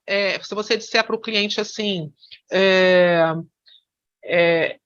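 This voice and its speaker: A woman's voice: medium pitch, bright, forceful tone, dull audio. A woman teaching hypnosis in an online lesson, explaining with many fillers and restarts.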